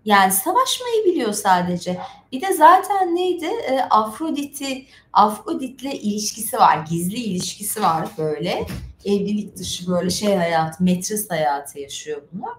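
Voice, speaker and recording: A woman with a mid-range, fairly bright voice hosts a casual storytelling livestream, reading aloud and commenting at a moderate pace in a very animated, chatty, rambling way. The room echoes and faint background noise sits underneath.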